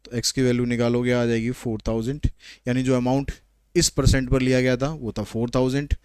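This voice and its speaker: A man's voice: mid-range voice, flat delivery, a little fast, a little mellow, clear, resonant tone, dry recording, clean studio sound. A man teaching a maths lesson online, explaining problems step by step in a chatty, nudging way. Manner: explains step by step, code-switching English questions into explanation.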